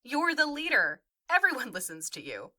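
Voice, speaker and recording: A woman's voice: high-pitched, huge pitch swings, moderate pace, sharp tone, full character voice. An actress playing a supportive, frank young woman in naturalistic audio drama dialogue. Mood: encouraging.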